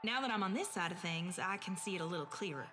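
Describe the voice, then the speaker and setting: A woman's voice: fairly low pitch, animated, fast, over music, natural voice. An actress playing a spirited, stubborn young village girl in an audio drama, plain-spoken, with rustic turns of phrase. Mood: somber recollection.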